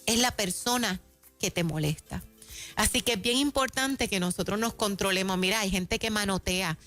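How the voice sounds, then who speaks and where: A woman's voice: mid-range voice, normal speed, fairly bright tone, soft background music. A woman with a Puerto Rican accent giving a conversational faith teaching on Christian radio, chatty and laughing between points.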